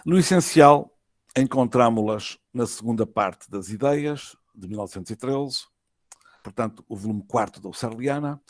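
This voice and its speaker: Portuguese man lecturing in measured phrases. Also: mid-range voice, dry recording. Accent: European Portuguese. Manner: measured, formal, phrase by phrase with hesitations. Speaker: university professor, conference lecturer. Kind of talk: academic lecture read from a prepared text. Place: online web conference.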